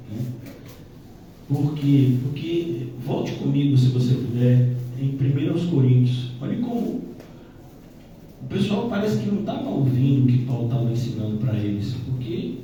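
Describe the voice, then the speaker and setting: A man's voice: fairly high pitch, dark tone, slight background noise. A male pastor teaching a Bible-study sermon in a conversational manner, dotted with "né?" asides. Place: church hall. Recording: echoey church hall, distant mic.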